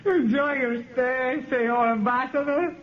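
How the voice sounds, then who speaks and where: An actor playing a sadistic jailer who taunts slowly and laughs maniacally, in a 1950s radio drama. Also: male voice, very high voice, exaggerated voice. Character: gleeful sadistic male jailer. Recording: muffled old radio broadcast.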